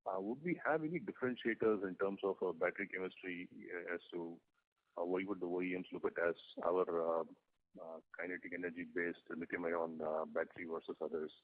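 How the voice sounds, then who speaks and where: A man's voice: sits low, fairly even intonation, a little fast. A man asking questions as an individual investor on a conference call, polite and somewhat hesitant in his phrasing. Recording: tinny phone conference line.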